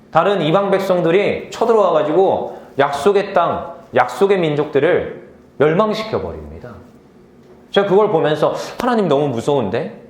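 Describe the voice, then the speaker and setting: A man's voice: fairly high pitch, a little hiss or hum. A man in his thirties preaching a casual sermon, telling stories and acting out the voices of the people in them. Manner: animated storytelling, acts out quoted voices. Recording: echoey room.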